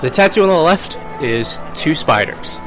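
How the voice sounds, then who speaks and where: A man playing a tabletop roleplaying game, describing his character in a measured, dryly understated way. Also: on the high side, big pitch swings. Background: background music.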